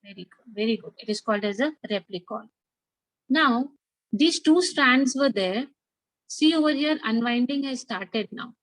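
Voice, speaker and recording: Lively intonation marks this on-the-high-side female voice, speaking at normal speed in a dry, low-quality recording. She has a South Asian accent and teaches an interactive biology class, reinforcing main points and prompting students with questions.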